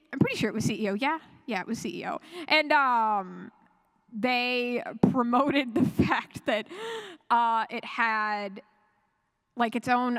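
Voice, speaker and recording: Female panelist, slightly high voice, casual and enthusiastic fan delivery, rambles and corrects herself. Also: a bit bright. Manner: chatty and rambling, with frequent self-corrections and chuckles. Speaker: convention panelist. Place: live panel room at a fan convention.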